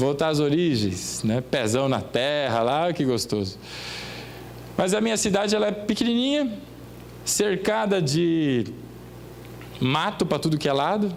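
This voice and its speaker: Amid audible room echo, a man speaks at a fairly high pitch and a fairly slow pace, with very wide pitch swings, long, frequent pauses and very even loudness. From interior of São Paulo state, Brazil (Pompeia). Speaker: pastor. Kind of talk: sermon. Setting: church service.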